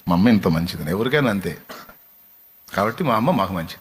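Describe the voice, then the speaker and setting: A man's voice: low voice, lively intonation, fast, husky. A man pastor preaching a sermon. He tells stories and puts direct questions to the congregation, then builds to impassioned exhortation.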